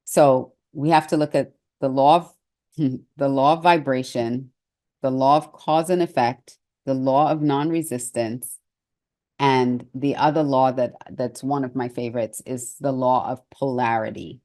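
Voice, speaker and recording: Middle-aged woman coaching on success, low-pitched, earnest and chatty, restarts a lot. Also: steady tone, a little slow, mellow. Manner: earnest, conversational, with hesitant restarts. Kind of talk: motivational talk to camera.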